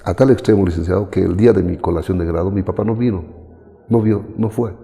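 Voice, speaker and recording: A middle-aged man with a Bolivian accent tells his story as an interview guest, with a very deep, gravelly voice. His tone is dark and mellow, and he brings the people he quotes to life. A long reverb trails behind his words. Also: quick pace. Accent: Bolivian Spanish. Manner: animated, acts out quoted voices.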